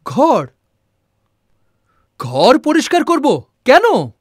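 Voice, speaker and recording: An actor playing a hot-headed, threatening young son of a powerful family in a film drama, aggressive and impatient. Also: male voice, extremely high pitch, huge pitch swings, very slow, dry recording, clean studio sound, exaggerated voice. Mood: baffled.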